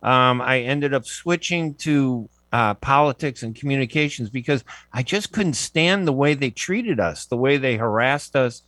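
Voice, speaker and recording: A man's voice: mid-range voice, lively intonation, a little slow, few pauses, fairly bright tone, no room sound. A man in his seventies hosting a radio interview, chatty and digressive, often restarting his sentences. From United States. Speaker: radio show host.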